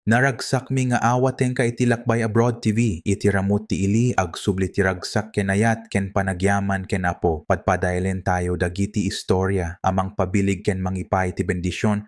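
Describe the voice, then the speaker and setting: A man reading a formal station promo announcement, slow and steady. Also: deep voice.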